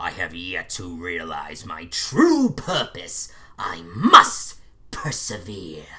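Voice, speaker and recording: Putting on a character voice, a man speaks very slowly with a fairly low pitch. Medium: voice reel. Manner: solemn.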